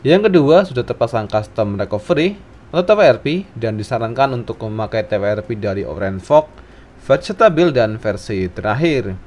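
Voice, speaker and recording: A man's voice: lowish voice, lively intonation, normal speed, darkish tone. A man narrating a scripted tech tutorial, giving instructions phrase by phrase.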